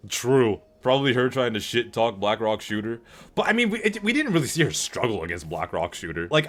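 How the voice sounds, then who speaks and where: A man streaming casual reaction commentary to his audience, talking in an excitable, slangy way with plenty of swearing. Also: medium pitch. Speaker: streamer reacting to game cutscenes. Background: background music.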